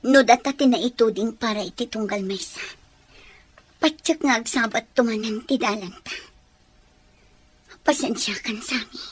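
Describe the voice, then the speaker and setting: An actress playing a hurt, gentle young woman in a radio drama, pleading and resigned. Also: fairly high pitch, measured pace, long pauses, slightly rough. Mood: sorrowful, resigned. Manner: pleading, sorrowful.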